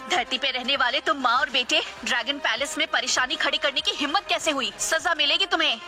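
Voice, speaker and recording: A woman's voice: sits high, brisk, music in the background, lightly acted. A woman voicing a haughty, scheming goddess who speaks in an arrogant, sneering way. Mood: contemptuous.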